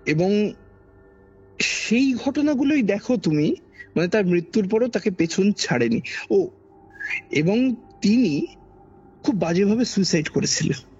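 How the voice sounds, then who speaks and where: A man with a Kolkata Bengali accent and a husky, gravelly voice recounts an eerie personal experience in a conversational, dramatic way, repeating phrases for emphasis. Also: high voice, big pitch swings, measured pace, pauses often, darkish tone. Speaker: podcast guest recounting a personal ghost experience. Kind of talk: conversational ghost-story telling. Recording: dull lo-fi audio under background music. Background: background music.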